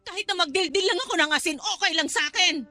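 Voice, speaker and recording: A woman's voice: very high voice, fast, bright, forceful tone, no echo. An actress playing a weary, manipulative middle-aged mother in a Tagalog radio drama, pleading and laying on guilt. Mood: bitter, guilt-tripping. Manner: guilt-tripping, emotional. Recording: background music under dialogue.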